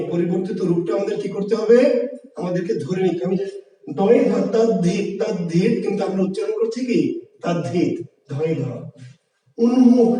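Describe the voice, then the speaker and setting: A man's voice: high voice, dark tone, recorded from a distance. A male teacher giving an exam-prep grammar lecture, explaining patiently and asking his own questions, then answering them. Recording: echoey room, voice from afar.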